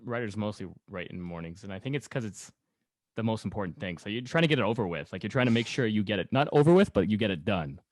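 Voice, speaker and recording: A man with a slightly low voice hosts a casual podcast interview. He talks quickly and chattily. The sound is dry, without room echo. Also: expressive. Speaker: podcast host.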